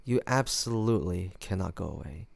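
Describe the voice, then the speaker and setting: A man's voice: deep voice, expressive, normal speed, gravelly, no echo, full character voice. A man acting a cocky young student in an audio roleplay, teasing and mocking an academic rival. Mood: mocking, amused. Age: young adult.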